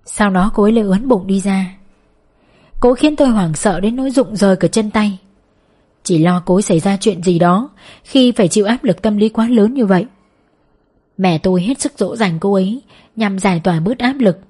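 Give me a woman narrating an audiobook in a measured, mid-pitched voice. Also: dark tone, breathy edge. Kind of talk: scripted story narration.

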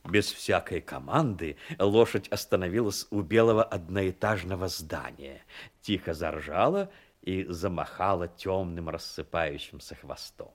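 Expressive male storyteller with swooping intonation. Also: low-pitched, a little slow, slight background noise. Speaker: narrator of a radio play. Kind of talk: scripted literary narration.

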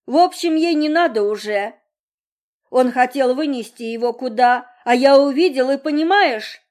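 A woman's voice: high-pitched, moderate pace, a little mellow, pitched above the performer's own voice, lightly acted. A woman voicing a poor, guilty father who rambles and makes excuses. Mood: pleading. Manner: rambling, pleading, excuse-making.

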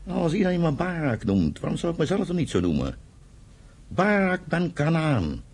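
A man's voice: a little high, wildly swooping pitch, moderate pace, a little mellow, breathy edge, exaggerated voice. A man playing a fiery, proud young Jewish pioneer settler in a radio drama, with an emphatic, commanding way of talking. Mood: earnest, teasing. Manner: commanding, emphatic, declamatory when roused. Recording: noisy old radio play recording.

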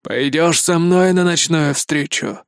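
Cowardly hyena master, voiced by a male narrator: hissing, bossy, drawn-out threats, dry. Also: fairly high pitch, clear, resonant tone, dry recording. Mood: suspicious.

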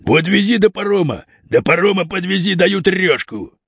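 A man's voice: high-pitched, expressive, moderate pace, creaky, fairly bright tone, breathy edge, no echo, voice pushed up, exaggerated voice. A man voicing a pushy crook haggling over a ride, in a storybook reading. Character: pushy bargaining male crook. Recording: dull lo-fi dry recording.

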